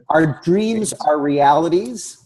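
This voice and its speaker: Husky-voiced man sharing earnestly. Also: fairly high pitch, slow pace, darkish tone. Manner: earnest, restating his points. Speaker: participant in a coaching call. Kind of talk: group coaching call.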